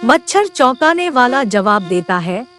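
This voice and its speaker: Expressive female storyteller. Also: on the high side, unhurried. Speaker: narrator. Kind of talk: children's storytelling narration.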